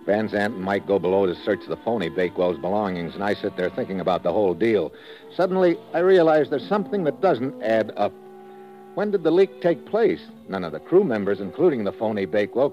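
A man's voice: on the low side, expressive, brisk, close to an everyday voice. A man acting as a tough, wry American secret agent in a 1950s radio drama, with clipped hard-boiled narration. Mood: tense narrating. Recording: muffled old radio recording with music.

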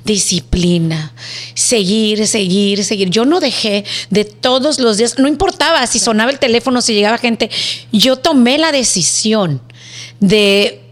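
A woman tells her story in an interview, animated and acting out the dialogue she quotes. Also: fairly high pitch, measured pace. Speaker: business owner guest.

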